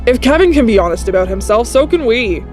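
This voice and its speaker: A man's voice: extremely high pitch, very animated, fast talker, music in the background. A man voicing a sassy, proud Latina teenage girl who speaks earnestly and with frustration. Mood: frustrated.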